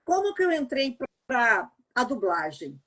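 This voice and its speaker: A middle-aged voice actress and translator from Goiás, Brazil, tells stories as a podcast guest over a remote call in a casual interview. Her husky, slightly high, fairly bright voice swings widely in pitch at an unhurried pace, with a neutral Brazilian Portuguese accent. She's chatty, laughs easily, and often adds "né?".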